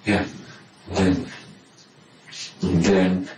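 A man under police interrogation, answering in halting, subdued bits that trail off. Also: sits low, flat delivery, a little mellow, slight background noise. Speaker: murder suspect under interrogation. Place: interrogation room. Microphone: far room camera. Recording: echoey room from a distant camera.

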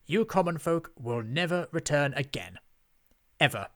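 A haughty storybook witch, played by a male narrator, speaks in a raised pitch. She is imperious and pompous, drawling out her words as if every one is a command. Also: lively intonation, measured pace. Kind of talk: children's storybook character voice.

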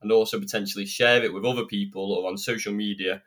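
This is a low-voiced man hosting a solo self-improvement podcast on a podcast microphone, slightly croaky and sniffly from a cold. He talks fast with a fairly even, slightly bright intonation, and his delivery is earnest, rambling and chatty.

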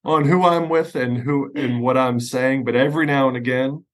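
A man's voice: medium pitch, fairly even intonation, moderate pace. A middle-aged man with a Pennsylvania accent, an attorney being interviewed, explaining his work in a friendly way with a few restarts. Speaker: estate planning attorney, guest. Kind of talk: podcast interview.

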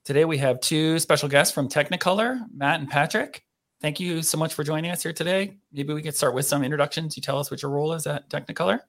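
A man's voice: on the high side, quick pace, fairly bright tone. A man co-hosting a podcast, friendly and conversational as he welcomes guests and asks questions. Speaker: podcast co-host.

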